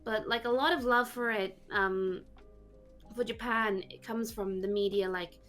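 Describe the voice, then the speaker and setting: A woman VTuber being interviewed, talking casually and haltingly with lots of fillers. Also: mid-range voice, steady tone, a bit bright, faint music behind. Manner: rambling, halting, many fillers. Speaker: VTuber guest.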